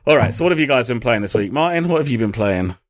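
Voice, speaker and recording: A man's voice: mid-range voice, lively intonation, fast talker, no echo, clean studio sound. A man hosting a casual podcast, rambling and joking at his own expense. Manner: jokey, rambling, laughs at himself. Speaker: podcast host.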